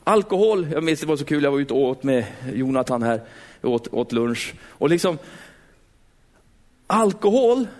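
A middle-aged man preaching a sermon in a church, lively, putting questions straight to the congregation. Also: a little high, long pauses.

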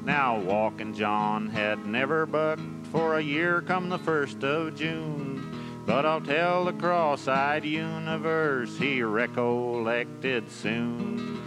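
Loud plucked guitar plays behind a man reciting cowboy poetry. He takes his time, telling it in a folksy, rustic dialect at a medium pitch. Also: fairly even intonation, takes it slowly, low-quality recording. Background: loud plucked guitar music.

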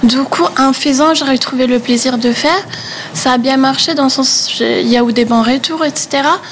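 A woman's voice: high voice, brisk, a little hiss or hum. Young woman, French not her first language. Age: young adult. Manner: hesitant, many fillers, laughs easily. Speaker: webzine co-founder, guest. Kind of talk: casual interview answers.

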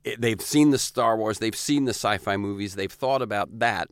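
Casual: podcast host guy, gravelly voice, reads his narration in a steady measured way, dry close sound. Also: on the low side, dry recording. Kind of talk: scripted narration and interview chat.

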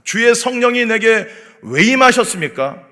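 A man's voice: very high-pitched, sing-song, moderate pace, sharp tone. A man preaching an early morning sermon, emphatic, firing rhetorical questions at the congregation. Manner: acts out the devil's taunts in a mocking voice. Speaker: pastor.

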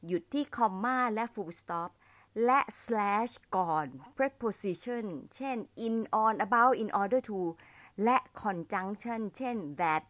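A middle-aged woman teaching how to host events in a friendly spoken lesson, slowing down to model English phrases with a Thai accent. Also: medium pitch, a bit bright, dry recording. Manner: friendly, addresses listeners as younger siblings, slows to model English phrases. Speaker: MC trainer teaching younger listeners.

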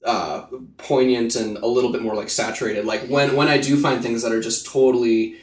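A man co-hosting a casual podcast. He wanders through his thoughts, full of filler words and restarts. His voice sounds roomy and set back from the microphone, at an ordinary middle pitch. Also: fairly even intonation, brisk, recorded from a distance. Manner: rambling, with many "like" fillers and restarts. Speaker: podcast co-host.

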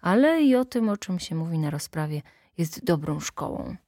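A woman's voice: fairly low pitch, big pitch swings, normal speed, warm tone, no room sound, clean studio sound. A woman voicing a cordial young female party official who explains things in an earnest, lecturing way.

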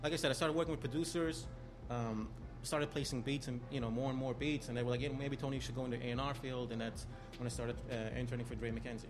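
A man's voice: mid-range voice, steady tone, quick pace, hardly any pauses. A man from Austria with an Austrian accent, a guest telling his story in a casual interview, easygoing and self-deprecating. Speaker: guest, music A&R. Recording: music playing behind.

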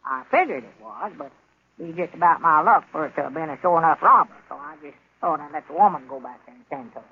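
An actor playing a fretful old country man with a raspy voice and a rural Southern US accent in a 1930s radio comedy. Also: a little high, lively intonation, fast talker, muffled recording. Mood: fretful, folksy.

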